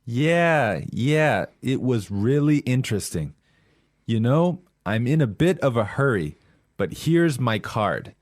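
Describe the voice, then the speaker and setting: A man playing a polite businessman in a scripted language-lesson dialogue, with a standard American accent and courteous, clear enunciation. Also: mid-range voice, big pitch swings, takes it slowly, no echo, studio quality. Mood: polite, brisk. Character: polite, hurried businessman, mildly sheepish with an acquaintance.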